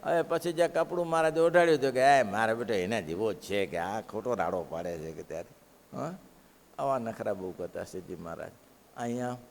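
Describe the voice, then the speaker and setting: A man's voice: mid-range voice, a little hiss or hum. A man with a Gujarati accent, telling devotional stories in a sermon and acting out the characters' lines. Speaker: preacher telling scripture stories. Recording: long hall reverb.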